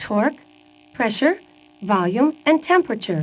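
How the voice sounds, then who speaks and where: With music in the background, a woman speaks at a moderate pace in a fairly high pitch, making very wide pitch swings. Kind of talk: corporate training narration.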